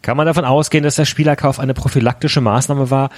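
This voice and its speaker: A man's voice: medium pitch, steady tone, quick pace, no echo, natural voice. A man reading out a young female sports reporter's question from a story. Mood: probing. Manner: reads the question aloud from a story.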